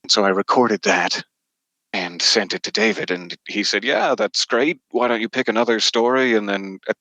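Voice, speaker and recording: A man's voice: on the low side, animated, moderate pace, vocal fry, bright, forceful tone, no room sound, low-quality recording. A middle-aged man telling anecdotes as an interview guest in a casual, wryly self-deprecating way. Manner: self-deprecating, wry humour. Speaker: interview guest, podcast narrator.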